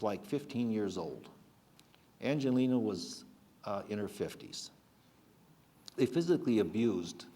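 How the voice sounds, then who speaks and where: An older man speaking earnestly to an audience, his pitch rising and falling with lively emphasis. He stumbles and restarts now and then as he builds toward his point. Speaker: speaker at a public program. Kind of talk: public talk.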